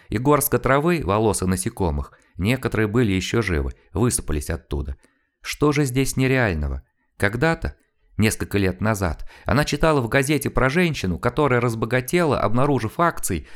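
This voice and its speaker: A man reading a novel aloud as an audiobook narrator, in a measured, expressive storytelling manner. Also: medium pitch. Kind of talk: scripted literary narration.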